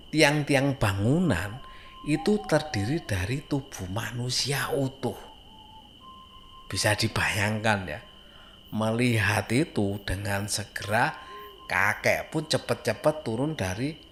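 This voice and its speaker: A man narrates a horror story informally, in a halting way with dramatic pauses and rhetorical questions. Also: medium pitch, a bit bright, slight background noise.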